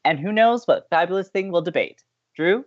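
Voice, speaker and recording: A man playing an excitable, idealistic young campus radio co-host in an audio drama, with a playful, opinionated way of bantering. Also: high-pitched, moderate pace, dull audio. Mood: eager, teasing.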